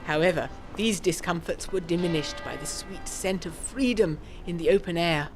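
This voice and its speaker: A woman's voice: on the low side, moderate pace, over music, lightly acted, poor audio. A woman playing a plucky, well-bred 1920s Englishwoman, reading her letter primly and precisely in a period audio drama. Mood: prim, relieved.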